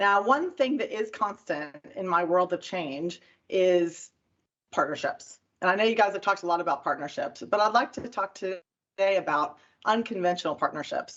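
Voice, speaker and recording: A woman with an American accent speaks at a moderate pace and medium pitch with lively intonation, in an unremarkable speaking voice. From Texas, military family moving around. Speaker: business executive, keynote speaker. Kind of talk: keynote speech. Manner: conversational, some filler words.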